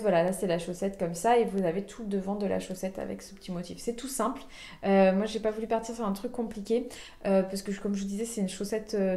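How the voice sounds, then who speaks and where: A chatty woman with a mellow, warm voice hosts a knitting podcast. She talks casually in a show-and-tell way, full of fillers and restarts. The room around her is echoey. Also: mid-range voice. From France.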